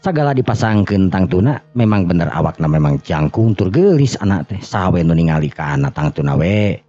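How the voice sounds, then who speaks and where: A man from West Java with a Sundanese accent tells a story informally, halting often to repeat and correct his words. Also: low voice, big pitch swings, mellow. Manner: halting, repetitive, self-correcting. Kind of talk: informal oral storytelling narration. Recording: dull lo-fi audio under music. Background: background music.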